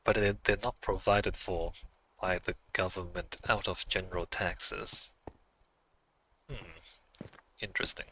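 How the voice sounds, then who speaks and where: A man's voice: deep voice, fairly even intonation, a little slow, pauses often, pushed and bright, low-quality recording. A man who is not a native English speaker, chatting casually on a game livestream, thinking aloud and musing with small laughs.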